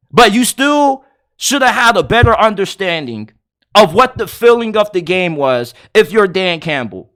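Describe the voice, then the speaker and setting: A man giving his animated, casual take on a football game as a sports commentator. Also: high voice. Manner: animated, excitable, colloquial. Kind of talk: casual sports opinion monologue.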